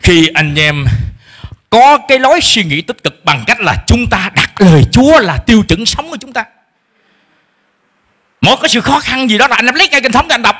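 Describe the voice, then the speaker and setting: Middle-aged pastor preaching, bright tense voice, acts out parents in shifting tones. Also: male voice, extremely high pitch, animated, brisk. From Vietnam. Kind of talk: sermon.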